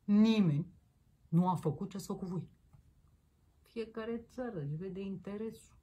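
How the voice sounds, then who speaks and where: A woman's voice: medium pitch, warm tone, husky. A woman hosting a political commentary show, ranting in a combative, crude and mocking way. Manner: combative, crude and mocking, peppered with slang address.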